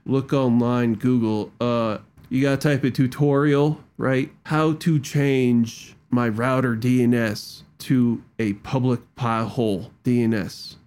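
Man, slangy tech vlogger, rambling casual talk, desk microphone, mid pitch. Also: steady tone, takes it slowly, hardly any pauses, a little mellow. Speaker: tech video creator. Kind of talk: casual screen-recording walkthrough. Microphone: studio microphone at a desk.

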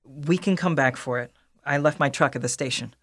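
A man acting a grieving, gentle and hesitant younger brother in an audio drama. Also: medium pitch, moderate pace, natural voice. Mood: urgent, reassuring.

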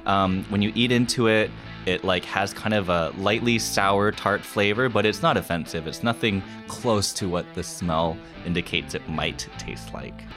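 A young man from Canada with a very low voice, answering interview questions in a relaxed, chatty manner. His talk is loose and full of fillers. Faint music plays underneath. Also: moderate pace. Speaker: interview guest. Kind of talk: casual interview.

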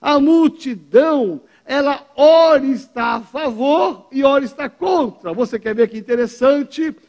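A male pastor with a very high voice delivers an emphatic sermon in church. He speaks slowly and deliberately into a microphone, stopping often to call for an amen from the congregation. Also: darkish tone, highs cut off. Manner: emphatic preaching, calls for amens. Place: church service.

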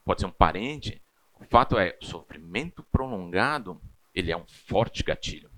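A man's voice: low voice, lively intonation, moderate pace, fairly bright tone. A man in his thirties with a Brazilian Portuguese accent, teaching a church class in a casual, chatty way full of personal stories and tag questions.

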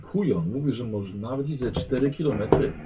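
Animated man running a tabletop game. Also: mid-range voice, a little fast, slightly rough. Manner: lively, animated storytelling. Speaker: game master.

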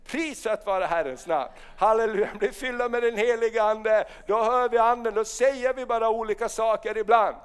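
A man with a high voice that is smooth and resonant preaches a charismatic sermon. He moves between calm Bible reading and fervent, rising calls of hallelujah. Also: few pauses. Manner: rises to fervent shouting of hallelujahs. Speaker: pastor.

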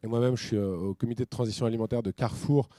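A man speaking at a conference, talking over his slides in a loose, lively way, often restarting his sentences. His voice is warm and mellow, recorded close and dry with almost no room sound. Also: medium pitch, racing, dry recording. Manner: lively, many restarts and fillers.

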